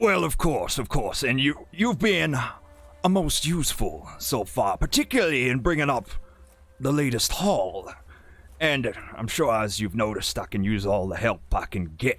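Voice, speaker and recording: A gruff put-on character voice from a man at medium pitch, moderate pace, with faint music in the background. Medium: actual play. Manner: hearty, booming.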